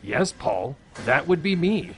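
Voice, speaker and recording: A man's voice: fairly high pitch, big pitch swings, takes it slowly, soft background music, exaggerated voice. A man playing an exasperated, by-the-book grocery store manager in a comedy audio sketch. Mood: exasperated, insistent.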